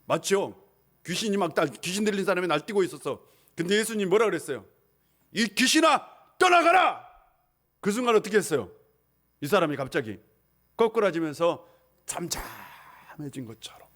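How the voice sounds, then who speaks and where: A man preaching a sermon as pastor of a church, animated and full of questions to the congregation, now and then shouting out dramatic lines. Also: on the high side, a little fast. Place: church sanctuary.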